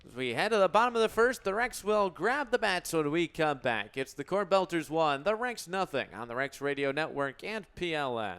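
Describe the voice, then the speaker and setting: A man's voice: fairly high pitch, lively intonation, normal speed, few pauses, fairly bright tone, clear, resonant tone. A young American man in his twenties calling baseball play-by-play for radio in clipped, descriptive phrases. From United States. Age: 20s. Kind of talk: radio sports commentary.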